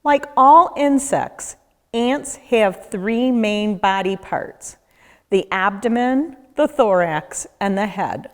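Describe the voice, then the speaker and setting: Lady doing a kids read-aloud, takes her time, really up and down voice, big echoey room. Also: medium pitch. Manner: expressive, deliberate storytelling with pauses and questions for young listeners. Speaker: nature educator reading a children's book aloud. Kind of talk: children's read-aloud narration.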